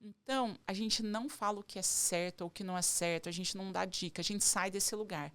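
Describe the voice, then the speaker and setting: An earnest woman with a strong country accent from the São Paulo interior. She explains things at length in a relaxed podcast chat, stringing her points together with many connecting words. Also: mid-range voice, fairly quick. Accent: rural São Paulo interior. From Barretos, Brazil. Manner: earnest, explains in long runs with many "então". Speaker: podcast guest, entrepreneur. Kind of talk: casual podcast conversation.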